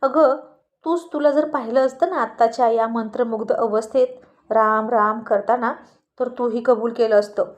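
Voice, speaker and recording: A woman's voice: fairly high pitch, fairly even intonation, moderate pace, natural voice. A woman voicing a confident, teasing young female friend. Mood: knowing. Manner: teasing, knowing.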